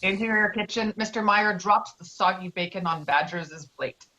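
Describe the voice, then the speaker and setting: A woman's voice: mid-range voice, normal speed, pushed and bright, highs cut off. A woman reading screenplay stage directions as the narrator of a table read.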